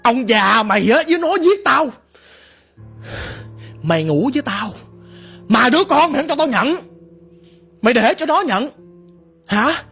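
A man's voice: extremely high pitch, sing-song, measured pace, gravelly, pauses often, fairly bright tone, husky, soft background music, heavily acted. A man voicing a vengeful female water demon, snarling and accusing. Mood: furious.

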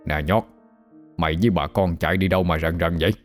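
Guy doing a gruff old grandpa, low, hurried scolding, faint music. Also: natural voice. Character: older village man, gruff grandfather.

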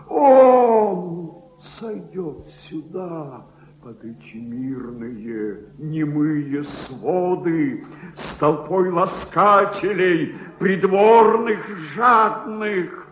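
A man's voice: high-pitched, a little hiss or hum, heavily acted. An actor playing an old miserly baron in a radio play, declaiming verse as a tormented man hungry for power and in love with his treasure. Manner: declamatory, from hushed gloating to anguished cries. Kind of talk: theatrical dramatic monologue in verse, Russian radio play. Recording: echoey, dull archival radio recording.

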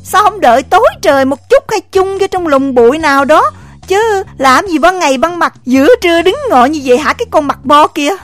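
A woman voicing a jealous village wife with a Southern Vietnamese accent, high-pitched and swooping as she scolds in a shrill, cutting voice. Soft music sits under this audio drama. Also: animated. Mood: furious. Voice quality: shrill, scolding, rapid-fire.

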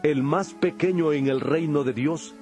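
A solemn teacher addressing crowds in a dramatized Bible recording. His voice sits slightly high for a man, and his delivery is measured and declamatory, with music underneath. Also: a little mellow. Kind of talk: dramatized audio Bible acting.

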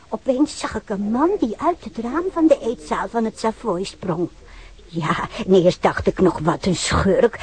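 A woman's voice: mid-range voice, a little mellow, natural voice. A woman playing a rambling, chatty witness. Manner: rambling, gossipy storytelling. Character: chatty, rambling female eyewitness. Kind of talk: Dutch radio play acting.

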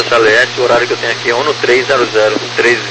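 A man with a Brazilian accent working as an air traffic controller, giving clipped, formulaic clearances over a crackly, military-sounding radio. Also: mid-range voice, flat delivery, very fast. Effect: aviation radio. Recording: noisy crackly aviation radio transmission.

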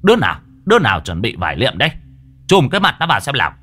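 A man voicing a bossy, cursing old clan elder who barks orders fast. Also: mid-range voice, wildly swooping pitch, fairly bright tone, husky, heavily acted. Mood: scolding. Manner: barking, scolding, rapid.

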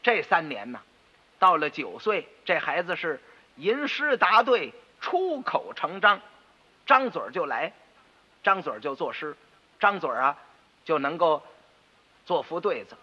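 A man telling a traditional storytelling piece, lively and rhythmic. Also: a little high, measured pace, pauses often. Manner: lively, rhythmic, switching between character voices. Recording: dull radio recording with long reverb.

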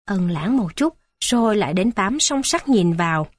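A woman narrating a children's story in a steady, expressive reading voice. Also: mid-range voice, moderate pace, no room sound.

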